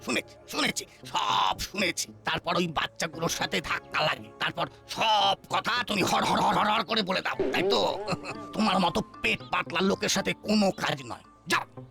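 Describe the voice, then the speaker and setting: Creaky, scheming cartoon kidnapper. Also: male voice, high voice, normal speed, bright, forceful tone, soft background music, full character voice. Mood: scornful, annoyed. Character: menacing male kidnapper and extortionist, crafty, scornful. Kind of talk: exaggerated comic cartoon villain acting.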